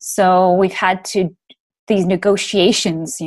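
In an American accent, a woman with an ordinary speaking voice talks at a fairly slow pace, medium in pitch with ordinary pitch variation. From US. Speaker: communications agency director. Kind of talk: casual interview.

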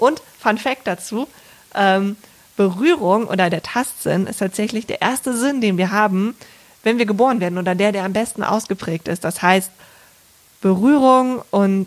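Speaking at a moderate pace, a woman uses a plain, everyday voice at medium pitch with ordinary pitch variation. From Rhineland, Germany (Bergisch Gladbach). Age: 30s. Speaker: podcast co-host, biologist. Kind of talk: casual chat.

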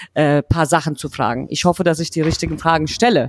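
A woman speaks with a non-native accent in a fairly low voice. The sound is dry and close, with no echo. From outside Germany. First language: not German (speaking German). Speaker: hairdresser and podcast co-host. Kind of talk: casual chat. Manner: hesitant with many fillers.

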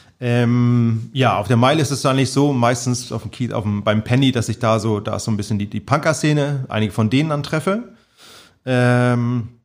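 With an ordinary speaking voice, a man talks at a medium pitch and moderate pace, his intonation fairly even. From Lower Saxony, northern Germany. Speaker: social worker. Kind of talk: interview. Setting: café.

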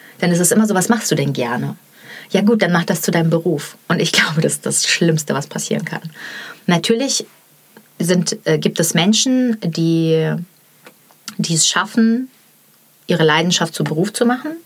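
A woman with a fairly low pitch and lively intonation speaks at a moderate pace, with long, frequent pauses. Noticeable background noise is present. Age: 30s. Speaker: author and former stand-up comedian. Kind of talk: casual interview.

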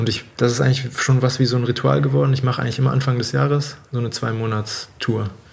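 A man's medium-pitched voice at a very fast pace, hardly any pauses, ordinary pitch variation, and noticeable background noise. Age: 20s. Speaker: wedding DJ. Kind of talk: casual interview. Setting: at his home.

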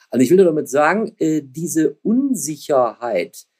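A man's dark, mellow voice with a dry, close sound and no echo. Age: 50s. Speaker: mechanical engineering technician. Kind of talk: casual chat.

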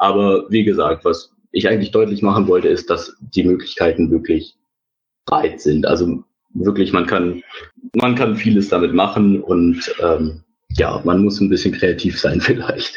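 Loudness stays very even as a man speaks at a fairly slow pace. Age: 20s. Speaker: master's student in history. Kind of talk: panel discussion.

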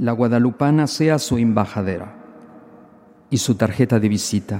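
Lively intonation from a man at a moderate pace, over noticeable background noise. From Mexico. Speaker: priest of the Latin American community. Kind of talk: sermon.

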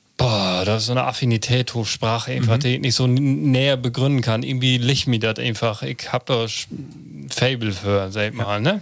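A man's fairly quick speech with ordinary pitch variation. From northern Emsland, Germany. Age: 30s. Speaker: gerontologist and researcher. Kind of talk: interview.

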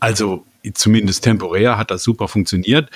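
This man has an unremarkable speaking voice, a fairly low pitch and fairly even intonation. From Saarland, Germany (Neunkirchen). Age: 60s. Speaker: government IT manager. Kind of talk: casual chat. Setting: remote call, audio only.

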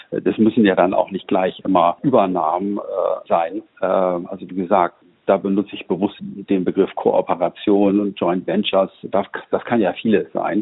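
In a monotone, flat intonation, a man with a fairly low pitch speaks at a fairly slow pace. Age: 40s. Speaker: maritime industry consultant. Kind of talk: interview. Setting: phone call. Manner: halting, many fillers.

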